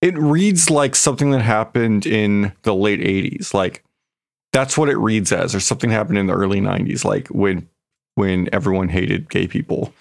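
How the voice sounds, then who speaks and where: A man co-hosting a podcast in casual, emphatic conversation with a gravelly, creaky voice. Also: fairly low pitch, moderate pace. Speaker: podcast co-host.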